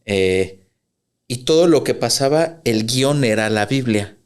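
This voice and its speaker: Man, podcast co-host, middle pitch, hesitant, lots of fillers. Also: lively intonation, a little slow, smooth. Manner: hesitant, filler-heavy explaining. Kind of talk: casual podcast chat.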